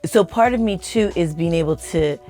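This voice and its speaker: A woman co-hosting a casual family talk, thoughtful and measured, often trailing off mid-thought. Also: on the low side, mellow, soft background music. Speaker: podcast co-host.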